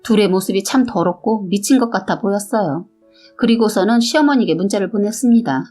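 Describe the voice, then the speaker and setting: A woman narrating a first-person story aloud in a steady storytelling manner. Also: mid-range voice, brisk, faint music behind. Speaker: story reader.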